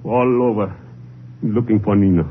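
A man's voice: lowish voice, normal speed, a little hiss or hum, close to an everyday voice. An actor playing a defensive, evasive Mexican fight manager protective of his sister in a radio drama. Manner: excitable, evasive. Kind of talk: old-time radio drama acting. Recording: muffled 1950s radio recording.

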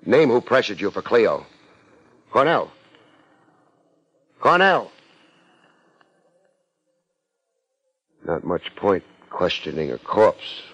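A hard-boiled, wisecracking detective from a 1950s radio drama. His voice sits low and swings expressively as he needles people with dry sarcasm. The old recording is dull and muffled. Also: big pitch swings, slow pace, pauses often, fairly bright tone, slightly rough, full character voice. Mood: tense. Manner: dry, sardonic, pressing. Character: wisecracking, laid-back, hard-boiled male private eye. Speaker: lead actor playing private investigator.

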